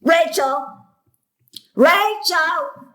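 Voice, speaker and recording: A woman's voice: very high voice, very slow, bright, forceful tone, roomy sound, full character voice. An actress playing an elderly, demanding grandmother in an audio drama, with an imperious, querulous, theatrical manner. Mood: imperious, grand. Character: elderly, spoilt, demanding grandmother with fanciful spending sprees. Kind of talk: stage-style audio drama acting.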